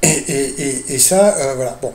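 A man's voice: medium pitch, normal speed, darkish tone, a little hiss or hum. A man giving casual, mocking commentary on a TV quiz show for his video channel, hesitating often with fillers. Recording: echoey room.

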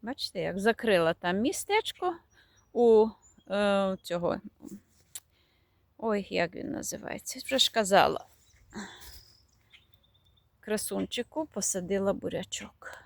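A woman's voice: medium pitch, vocal fry, dry recording. A woman chatting fondly as she walks through her garden, showing plants and now and then searching for their names. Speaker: garden vlogger. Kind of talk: casual garden tour vlog. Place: outdoors in a garden.

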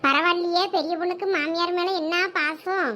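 A woman's voice: steady tone, a little fast, bright, forceful tone. A woman playing a chatty village housewife in a family skit. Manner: chatty, teasing, very high voice.

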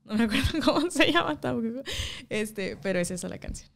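Lively woman telling stories. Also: a little high, fairly quick, vocal fry. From Mexico. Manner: animated storytelling, laughs often, slangy. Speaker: guest singer. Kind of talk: casual interview chat.

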